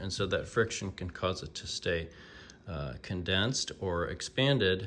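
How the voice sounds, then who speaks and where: At a fairly slow pace, a man speaks in a fairly low voice. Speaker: engineer and maker tutorial host. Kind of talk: tutorial. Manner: halting with fillers.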